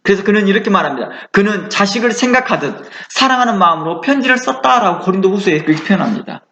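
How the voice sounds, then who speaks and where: A man's voice: high-pitched, lively intonation, fast, bright, forceful tone. A man preaching a sermon as a pastor, in an earnest, conversational way and with many rhetorical questions. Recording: echoey room, dull lo-fi sound with faint noise.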